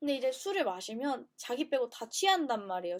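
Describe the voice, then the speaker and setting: Over a silent background in a very clean recording, a woman speaks fairly quickly at a high pitch with very wide pitch swings. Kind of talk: casual Q&A talk to camera. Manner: relaxed, radio-like.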